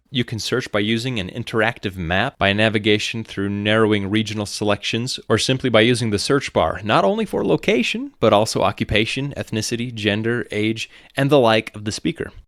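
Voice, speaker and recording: A man's medium-pitched, normal speaking voice with a General American accent, fairly quick and fairly even, with hardly any pauses and a dry, close sound with no echo. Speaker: podcast host. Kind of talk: scripted narration.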